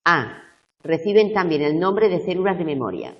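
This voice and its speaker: Low-voiced woman tutor reading exam questions. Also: big pitch swings, recorded from a distance, highs cut off. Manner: reads questions slowly, checks in with students. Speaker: university psychobiology tutor.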